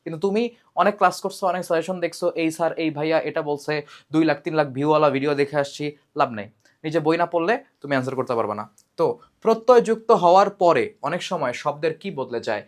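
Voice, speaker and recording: A man's voice: a little high, fast. A man teaching an online exam-prep lesson. He talks to students directly in a casual, emphatic way and repeats key answers back as questions. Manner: colloquial, addresses students directly.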